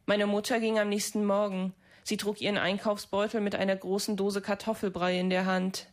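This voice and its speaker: Woman reading prose aloud, flat monotone, restrained and measured. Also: medium pitch. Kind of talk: literary reading.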